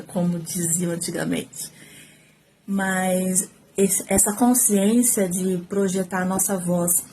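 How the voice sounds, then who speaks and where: A talkative woman with a Brazilian Portuguese accent gives a relaxed on-camera lesson from her home, speaking into her phone. Her voice sits at an ordinary middle pitch, with a faint hum of noise underneath. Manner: talkative, animated, gestures while speaking. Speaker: former TV reporter teaching on-camera skills. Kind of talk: casual tutorial to camera. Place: at home, indoors. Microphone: phone, front camera.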